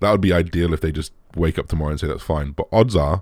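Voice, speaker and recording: On a very clean recording with a silent background, a man with a very deep, low voice speaks at a very fast pace with an English accent. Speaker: podcast host. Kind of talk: casual solo chat. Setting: home studio.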